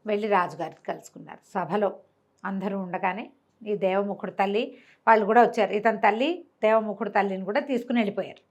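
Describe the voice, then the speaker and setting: A woman storyteller with a Telugu accent tells a folk tale conversationally, explaining things along the way and acting out the dialogue in her own voice. She speaks at a quick pace with a medium pitch.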